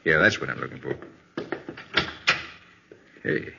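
An actor playing a shrewd, unflappable American private detective in 1940s radio crime drama, questioning briskly. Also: male voice, a bass voice, animated, creaky, very noisy, heavily acted. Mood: businesslike. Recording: dull vintage 1940s radio recording.

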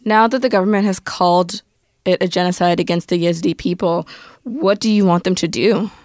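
A woman's voice: fairly low pitch, steady tone, brisk, a little mellow, no echo, studio quality. A woman hosting and interviewing in a conversational presenting style. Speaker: interviewer, show host.

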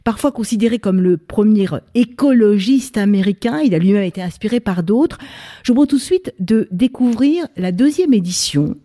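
A woman hosts a panel debate in a mellow, warm voice at a middling pitch. She speaks with plenty of fillers and restarts as she introduces her guests and frames the questions. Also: lively intonation, normal speed. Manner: hesitant, frequent fillers and restarts. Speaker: debate host. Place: library event venue.

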